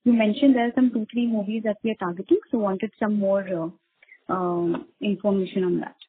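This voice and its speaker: A woman's voice: mid-range voice, steady tone, a little fast, slight background noise. A woman calling in to ask unscripted questions on an investor conference call. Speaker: caller asking questions. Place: telephone call. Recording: muffled narrow phone line.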